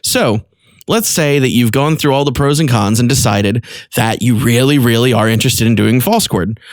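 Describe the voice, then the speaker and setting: A man's voice: medium pitch, moderate pace, dry recording, studio quality. A man giving an informal, explanatory lesson as a vocal technique coach. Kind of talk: instructional talk with short vocal demonstrations.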